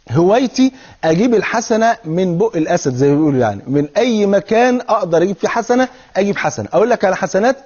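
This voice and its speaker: A man's voice: high voice, darkish tone, husky, lo-fi sound. A man with an Egyptian Arabic accent delivering a televised religious sermon, speaking fervently and putting rhetorical questions straight to his viewers. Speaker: preacher.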